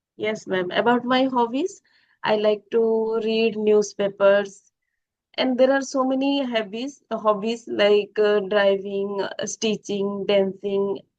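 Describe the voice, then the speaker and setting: A woman's very slow delivery carries fairly even intonation. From India, Odisha. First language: Odia. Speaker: English learner, homemaker. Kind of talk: casual conversation practice chat. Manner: halting, hesitant.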